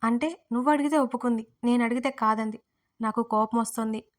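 A woman's voice: on the high side, fairly quick, close to an everyday voice. Woman voicing a pleading pampered young woman. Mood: sulky. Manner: pleading, whiny.

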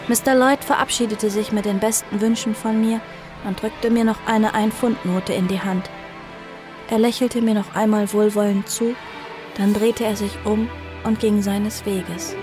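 A woman's voice: medium pitch, steady tone, a little slow, over music, close to an everyday voice. An actress playing an earnest, frightened young woman in an audio drama, acting and narrating in the first person. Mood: tense recounting. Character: Abby, earnest frightened young woman fleeing her uncle.

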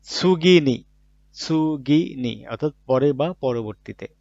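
A man's voice: medium pitch, brisk, vocal fry, no echo. A man teaching Japanese vocabulary. He says each word, then explains it with everyday examples, often asking a question and answering it himself. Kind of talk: vocabulary lesson in Bangla. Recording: dull, muffled recording in a dry room.

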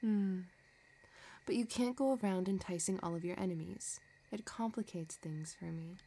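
A woman playing a possessive, sadistic villainess who dotes obsessively, condescending and softly menacing, in an intimate audio roleplay. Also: mid-range voice, normal speed, a little hiss or hum, natural voice. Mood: cooing, possessive.

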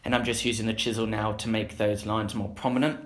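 A young man narrating a woodworking build in a relaxed voice-over, with frequent filler sounds. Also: lowish voice, brisk. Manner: plain, easygoing, frequent "uh" fillers. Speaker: woodworking channel host. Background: background music.

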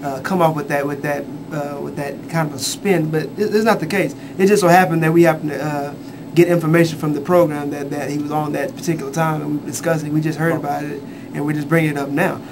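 A man's voice: fairly high pitch, steady tone, fast talker. Earnest man teaching over studio noise. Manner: repetitive restarts, earnest. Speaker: minister on a church radio show. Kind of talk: radio Bible teaching. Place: small radio studio. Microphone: handheld mic.

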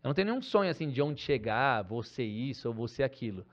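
An animated man chatting as a podcast guest, laughing often and acting out the things he shouts from courtside. His voice sits at a middle pitch. The recording sounds slightly dull. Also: quick pace. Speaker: podcast guest, former basketball player. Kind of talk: casual chat.

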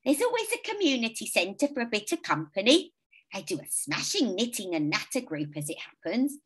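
A woman voicing a lonely, kindly old woman who talks in a gentle, fussy, chatty way. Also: on the high side, big pitch swings, normal speed, slightly rough, voice pushed up.

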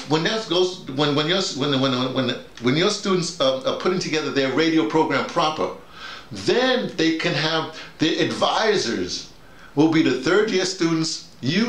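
Seated in a small, echoing room with bare walls, a middle-aged or older workshop leader and radio drama teacher gives colleagues an informal explanation. He talks emphatically, like a teacher, stopping and repeating himself over and over, in a slightly high, expressive, fairly bright voice.

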